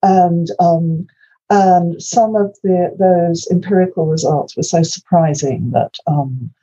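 An older woman from Wales, a native Welsh speaker, lectures with lots of ums and restarts. Her voice is husky and dark, set slightly low. The recording sounds muffled. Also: takes it slowly. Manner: hesitant, many fillers and restarts. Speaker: invited academic speaker. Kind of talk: academic lecture.

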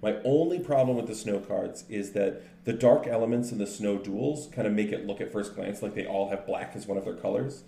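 In an echoey room carrying faint noise, a low-voiced man with a gravelly tone talks casually about card games as a podcast co-host. He explains things in a relaxed way and lists card names quickly.

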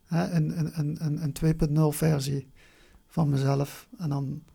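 The speaker has a soft, mellow timbre with a marked crackle and a southern Dutch accent. They answer interview questions reflectively, often pausing and repeating words as they search for the right phrasing. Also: medium pitch, flat delivery, creaky, breathy edge. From Venlo, Limburg, Netherlands. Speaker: interview guest.

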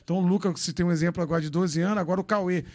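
A man's voice: sits high, steady tone, racing, darkish tone. A man in his fifties from Brazil, talking loosely and frankly on a podcast, joking and swearing as he tells his story. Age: 50s. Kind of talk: casual podcast chat.

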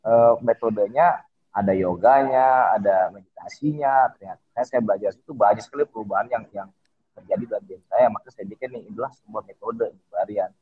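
A man's voice: fairly low pitch, fairly quick, breathy edge. A middle-aged man, a podcast guest, talking casually and rambling with many fillers and restarts. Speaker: podcast guest, fitness method founder. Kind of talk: casual interview talk. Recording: tinny phone-like line.

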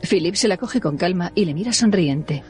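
A man's voice: high voice, animated, a little mellow, soft background music. Man narrating audio description. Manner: plain, measured, neutral.

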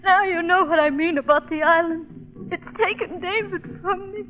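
Anxious young woman, high voice, tearful, melodramatic, narrow-band vintage radio serial. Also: normal speed. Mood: tearful, fearful. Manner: breathless, faltering, melodramatic. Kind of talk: 1940s radio melodrama acting. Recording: echoing, thin vintage radio recording.

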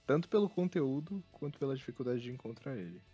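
A Brazilian man hosts a casual, joking podcast. He talks with wry self-mockery in a medium-pitched voice. The recording is a bit dull, with music playing behind him. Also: animated, fast talker, dark tone, husky. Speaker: podcast host. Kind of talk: casual humorous anime podcast chat.

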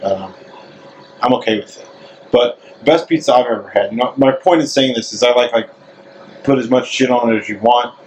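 A deep-voiced man rambling playfully. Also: moderate pace, slight background noise, poor audio. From American South. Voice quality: deep bass voice. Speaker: interview host. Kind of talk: casual chat.

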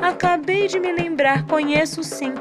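A vain, hungry female jaguar from a children's storybook, haughty and quick to exclaim, as a woman acts her out. Her voice pitches up high, with music playing behind. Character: proud greedy female jaguar.

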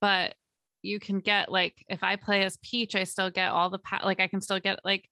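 A woman in her late twenties chats on a podcast with a bright, forceful voice. She laughs easily and lets sentences trail off, recorded close and dry with no room sound. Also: mid-range voice, level tone, normal speed, no room sound. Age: late 20s. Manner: chatty, laughs often, trails off mid-sentence. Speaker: podcast co-host. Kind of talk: casual podcast chat.

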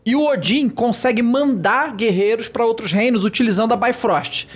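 A man's voice: very high voice, moderate pace. A man hosting a podcast, explaining things at length in casual chat.

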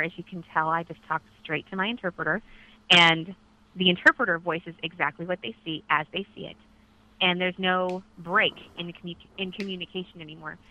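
A woman voices a caller as a live relay interpreter. Her delivery is conversational and explanatory, halting at times before flowing on. The sound is dull and lo-fi, as over a telephone. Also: fairly low pitch. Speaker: sign language relay interpreter voicing a caller. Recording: dull radio-like telephone line.

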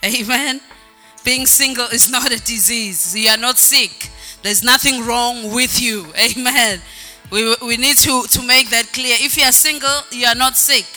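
Woman preacher, super bright tense voice, keeps saying amen, long echo, faint music behind. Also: fairly high pitch, fairly even intonation, measured pace. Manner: repeats words for emphasis, calls out "Amen"; sings some phrases, varies pace. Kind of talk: sermon. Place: church hall. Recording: reverberant hall with faint music.

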